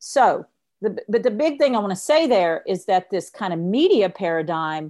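On a very clean recording with a silent background, a speaker with a Mississippi accent talks at a moderate pace with very wide pitch swings. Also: woman. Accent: Mississippi Southern. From US South, Neshoba County, Mississippi. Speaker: newspaper editor. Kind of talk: interview.

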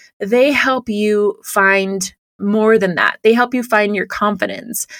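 A fairly high-pitched woman at a fairly slow pace, on a very clean recording with a silent background. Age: 30s. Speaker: podcast host and entrepreneur. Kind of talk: solo podcast monologue, scripted intro.

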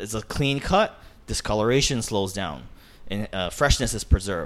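An American-accented man with an unremarkable speaking voice talks at a moderate pace and medium pitch, using lively intonation. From US Northeast, Manhattan. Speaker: knife sharpener. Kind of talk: casual chat.

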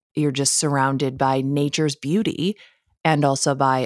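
A woman with a Midwestern US accent, her very deep, low pitch and fairly even intonation at a fairly slow pace, on a very clean recording with a silent background and a dry, close sound with no echo. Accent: Midwestern US, nasal vowels. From US Midwest. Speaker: podcast host and author. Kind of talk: casual monologue about books. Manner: chatty, rambling, humorous.

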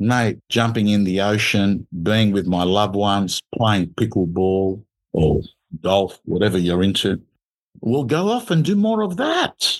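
A man with an Australian accent speaks at a fairly slow pace with a fairly low pitch. His loudness stays very even. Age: 50s. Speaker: real estate auctioneer and coach. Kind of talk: interview conversation.

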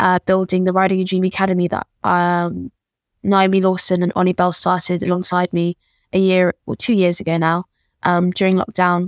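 A woman with a London accent at medium pitch and moderate pace, flat monotone intonation, dry, close sound with no echo. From London (Peckham). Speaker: amateur jockey. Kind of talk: interview conversation.

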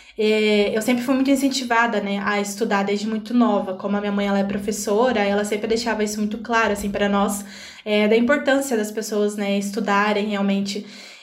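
A woman's fairly high voice at a moderate pace, with fairly even intonation, audible room echo and noticeable background noise. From Brazil, Paraná coast (Paranaguá). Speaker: university student. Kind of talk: interview.

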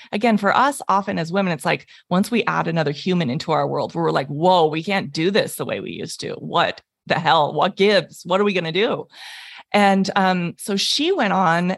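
A woman speaks at a moderate pace with a fairly low pitch, ordinary pitch variation and vocal fry. The recording is very clean, with a silent background. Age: 40s. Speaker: physician and coach. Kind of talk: interview. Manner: animated.

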